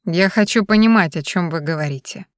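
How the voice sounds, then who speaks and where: Lady reading as a bossy young guy in bed, low commanding murmur, dry close sound. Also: brisk, no room sound, natural voice. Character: teasing, domineering young male lover.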